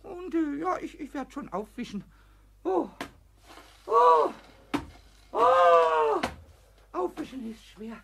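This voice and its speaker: A very high, wildly swooping voice of a small childish kobold in a children's radio play. The kobold is stubborn and excitable, whining, stammering and exclaiming with mischief. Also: slow pace, vocal fry, pauses often, slight background noise, heavily acted. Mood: wheedling. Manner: stammering, whiny, exclaiming, repeats words. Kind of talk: German children's audio drama acting.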